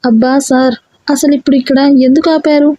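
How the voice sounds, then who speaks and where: A woman's voice: fairly even intonation, brisk, dark tone, no room sound, natural voice. A woman doing a feisty flustered young woman. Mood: exasperated. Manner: exasperated, shrill outbursts.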